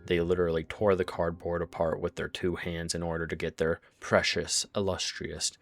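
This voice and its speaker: A man's voice: low-pitched, level tone, moderate pace, soft background music. A young man with a cold telling a crude, sarcastic story about his old job, swearing often. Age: young adult. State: has a cold. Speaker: storytime narrator. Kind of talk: casual storytelling.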